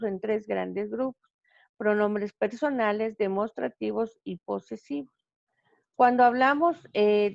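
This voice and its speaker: A woman teacher talks through grammar slides in a slow, deliberate lecture, stopping often for fillers and corrections. Her fairly high voice carries a gravelly fry. The sound is dry and dull, like a lo-fi home recording. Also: dry recording. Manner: slow, halting delivery with frequent fillers and self-corrections.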